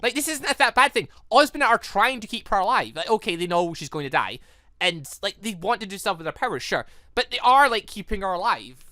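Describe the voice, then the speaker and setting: A gaming channel host plays through a visual novel with an exclaiming, gushing commentary. The delivery is highly animated and rambles freely. The sound is close and dry, with music underneath. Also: a little fast, dry recording. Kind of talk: excited playthrough commentary of a visual novel, reading dialogue aloud.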